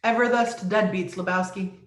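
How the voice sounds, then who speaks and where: A woman's voice: medium pitch, fairly even intonation, fairly quick, natural voice. A woman playing a scornful young male thug in a screenplay table read. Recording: echoey room, online call.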